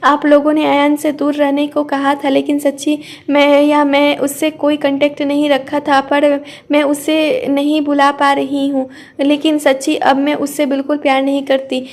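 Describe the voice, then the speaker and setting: A woman's voice: sits high, completely flat delivery, moderate pace. A woman reading a teary innocent sister. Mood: tearful. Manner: sobbing and pleading.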